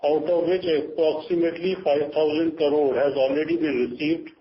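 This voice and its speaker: A man's voice: fairly high pitch, fairly even intonation, moderate pace. A man with an Indian accent reading a formal, scripted corporate statement as a company chief on a conference call. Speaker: company chief giving earnings remarks. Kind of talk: formal prepared corporate statement read aloud. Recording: dull lo-fi conference call, faint noise.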